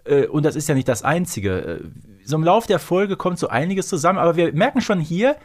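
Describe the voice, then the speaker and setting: A man's voice: fairly high pitch, big pitch swings, a little fast. A man of forty co-hosting a casual fan podcast, explaining things in an analytical way. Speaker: podcast co-host.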